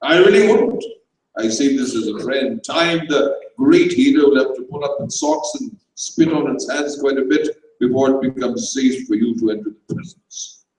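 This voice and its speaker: A man's voice: medium pitch, animated, normal speed, darkish tone, very echoey, far from the mic, voice pushed up, close to an everyday voice, poor audio. Conky, a man doing a plummy young aristocrat. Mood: plummy, aghast. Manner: plummy, affected, upper-class. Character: foppish young English aristocrat.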